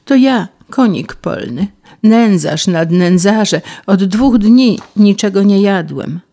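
Woman voicing a hungry little grasshopper in a storybook, higher than her narration, slow and pleading. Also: expressive, mellow. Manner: begging, weak and plaintive. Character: starving pleading male grasshopper.

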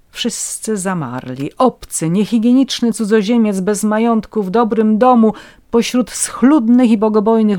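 A woman's voice: medium pitch, mellow, no room sound, clean studio sound. A woman narrating a first-person story in a wry, ironic storytelling manner.

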